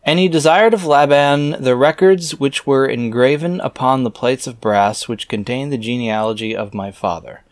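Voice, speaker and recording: A man reading aloud casually, breaking off into halting, musing, skeptical and irreverent commentary. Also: medium pitch, dry recording, clean studio sound.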